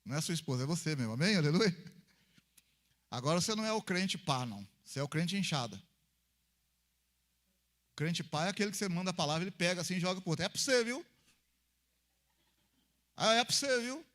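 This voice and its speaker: A man's voice: on the high side, expressive, quick pace, pauses often, fairly bright tone. A pastor preaching a conversational sermon in church, acting out little dialogues between people to make his point.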